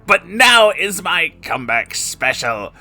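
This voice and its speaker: A man's voice: on the high side, sing-song, slow pace, pushed and bright, faint music behind, pitched above the performer's own voice, exaggerated voice. A man voicing a short, evil, greedy salesman villain who announces like a boastful showman in a comic story.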